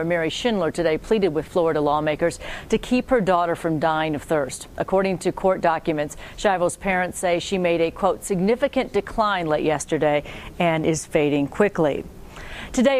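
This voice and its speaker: An American woman anchoring a local newscast in a polished, formal, scripted newsreader delivery. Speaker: TV news anchor. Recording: clear background noise with low rumble.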